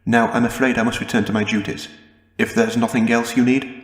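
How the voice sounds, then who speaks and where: An actor playing a loyal older butler in a comic-book audio drama, proper, reserved and deferential. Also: male voice, mid-range voice, little pitch movement, fairly quick, lightly acted. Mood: reserved, weary. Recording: echoing hall with long reverb.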